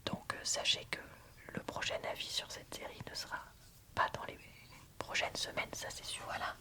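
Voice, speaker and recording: A woman whispering an ASMR book review in a soft, breathy, informal and slightly hesitant way. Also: moderate pace.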